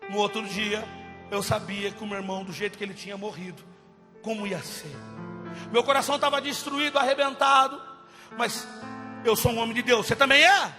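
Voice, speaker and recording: Impassioned high-voiced male preacher. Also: a little fast, long reverb tail, over music. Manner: impassioned, swings from loud cries to hushed. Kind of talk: testimony sermon.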